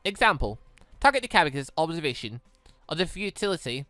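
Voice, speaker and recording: Man playing a pitiless female android, game dialogue, formal, literal, clipped, bright tone, faint music. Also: on the high side, big pitch swings, dry recording. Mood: detached. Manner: formal, clipped, deliberate machine-like delivery.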